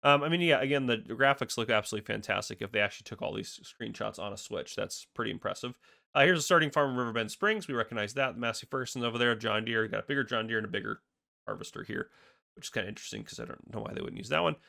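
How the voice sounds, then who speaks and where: A man hosting a gaming video, talking casually over screenshots. His voice is raspy from a cold, and he rambles, thinking aloud with lots of fillers. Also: medium pitch, fast talker, pushed and bright. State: fighting a cold.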